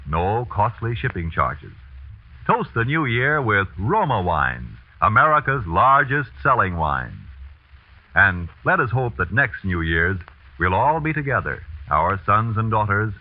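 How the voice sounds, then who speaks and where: A man reading a sponsor's commercial in a polished, persuasive 1940s radio announcer style. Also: mid-range voice. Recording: tinny 1940s radio broadcast.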